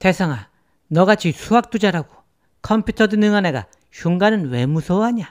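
At a moderate pace with long, frequent pauses, the speech comes through on a very clean recording with a silent background. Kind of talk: audiobook dialogue, playing the detective. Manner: relaxed, teasing, thoughtful detective tone.

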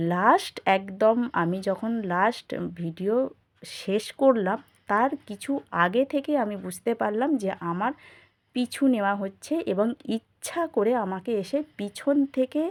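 An unremarkable speaking voice from a woman, fairly high in pitch with lively intonation. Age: 40s. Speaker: vlogger. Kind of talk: market walk-through vlog; personal story to viewers.

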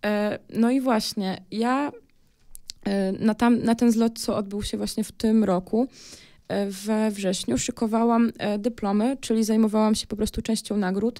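Fairly high-pitched, a woman speaks in a dark, mellow tone with monotone, flat intonation. Her pace is fairly slow, against a quiet background. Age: 20s. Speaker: car enthusiast; podcast guest. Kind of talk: casual chat. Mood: relaxed, storytelling. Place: studio. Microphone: studio mic.

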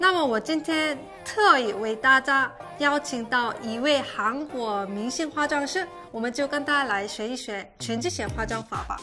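Projecting a raised voice over clear background music, a woman with a Korean accent speaks at a moderate pace in a high pitch with lively intonation. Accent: Korean accent in Mandarin. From South Korea. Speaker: entertainment editor, host. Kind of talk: casual talk to camera. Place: studio.

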